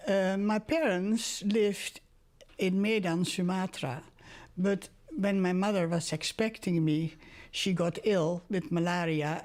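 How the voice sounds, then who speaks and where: An older woman calmly recalling her family and husband in an interview. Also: fairly low pitch. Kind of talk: interview recollection.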